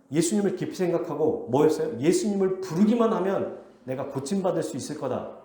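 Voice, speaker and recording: A man preaching in a church sanctuary, his pitch leaping up and down as he acts out the voices in the story. His tone is mellow and dark, and the room gives his voice a roomy echo. He keeps asking his listeners questions as he goes. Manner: asks the congregation questions. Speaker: pastor. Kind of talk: expository sermon.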